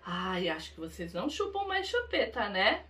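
A woman's voice: medium pitch, sing-song, normal speed, a bit bright. A Brazilian woman teacher reading words aloud syllable by syllable for young children in a literacy lesson, coaxing them to read along. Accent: Brazilian Portuguese.

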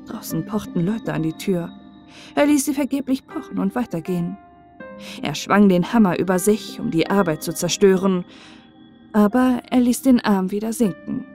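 A woman narrating a sad fairy tale as an audiobook, calm and steady for bedtime listening. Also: mid-range voice.

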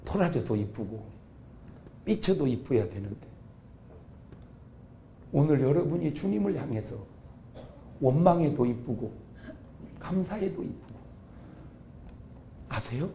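A middle-aged man preaching a humorous revival sermon, acting out quarrels between couples in sudden loud outbursts. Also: a little high, big pitch swings, unhurried, pauses often, slight background noise. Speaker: pastor.

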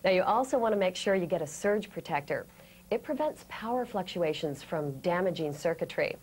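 An American woman in her thirties presenting a scripted training lesson, explaining things clearly step by step. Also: fairly low pitch, lively intonation, fairly quick, a little mellow. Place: indoor studio set.

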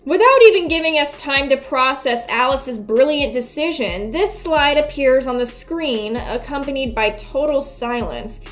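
A woman's voice: sits high, animated, a little slow, hardly any pauses, fairly bright tone. A woman in her twenties giving casual, wry and sardonic video commentary, with some casual swearing. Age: 20s. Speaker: YouTube video essayist. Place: small indoor room before a green screen. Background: background music.

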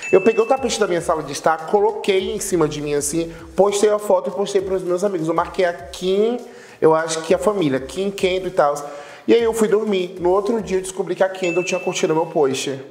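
A man's voice: high-pitched, a little fast, slight background noise. A man in his twenties from Salvador with a strong Bahian accent, telling stories in a casual interview. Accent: Bahian Portuguese. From Salvador, Bahia, Brazil. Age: 20s. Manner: animated storytelling, gesturing with his hands. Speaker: guest, internet personality. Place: studio room with a sofa, indoors. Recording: echoey room.

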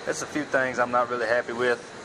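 Man, hobby woodworker, rambling and self-deprecating, phone-recorded outdoors over loud air-conditioner hum. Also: mid-range voice, little pitch movement, a little fast. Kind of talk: casual workshop narration.

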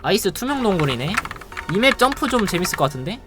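Excitable gamer with a lively pitch. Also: music in the background. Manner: excitable, playful, quick reactions and laughter. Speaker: game streamer. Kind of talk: live gameplay commentary.

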